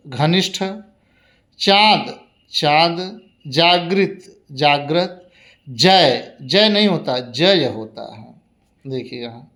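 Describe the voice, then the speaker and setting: Male teacher, slightly high voice, very slow and deliberate, repeats words to correct them. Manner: deliberate, repeats each word twice, explanatory. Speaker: Hindi teacher. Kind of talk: slow spelling lesson.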